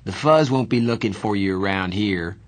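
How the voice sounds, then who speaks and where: A man plays a tough young street hood in an audiobook story. He sounds rough and cocky, talks in blunt slang and teases with a sardonic edge. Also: fairly low pitch, moderate pace, natural voice. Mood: brash. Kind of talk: audiobook character dialogue.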